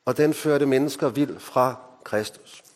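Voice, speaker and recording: A man from Denmark preaching a sermon, moving between emphatic lines and hushed, solemn ones. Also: mid-range voice. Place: mission hall. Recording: hall reverb.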